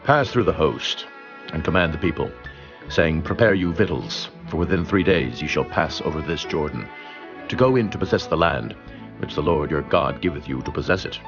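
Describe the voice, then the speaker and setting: Grave ancient commander, male actor, extremely low and authoritative, clear music behind, scripture drama. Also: lively intonation. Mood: commanding. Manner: measured, authoritative. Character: Joshua, grave commanding male leader of Israel. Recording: dull, muffled audio.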